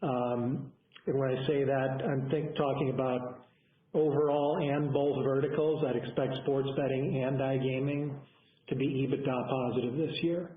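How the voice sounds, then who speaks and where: A man's voice: medium pitch, fairly even intonation. Man briefing investors over echoey phone line. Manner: halting, with mid-phrase self-corrections. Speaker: company executive on an earnings call. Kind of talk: semi-scripted business briefing to investors. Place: conference call over phone. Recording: echoey, band-limited conference phone line.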